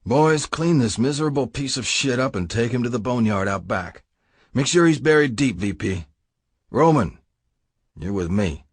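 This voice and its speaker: A man voicing an older male biker club president who threatens and commands, husky and menacing. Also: medium pitch, lively intonation, moderate pace, no echo, clean studio sound. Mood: commanding.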